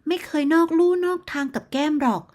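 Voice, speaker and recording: A woman's voice: animated, normal speed, darkish tone. A woman doing a smug gossiping auntie. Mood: smug boasting. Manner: smug, shrill, bragging about her daughter. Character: boastful gossiping middle-aged neighborhood auntie. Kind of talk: storybook character voice.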